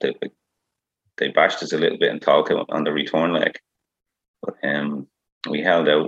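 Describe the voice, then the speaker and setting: A man at a moderate pace, with long, frequent pauses. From Dublin, Ireland. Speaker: former footballer. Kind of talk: casual interview.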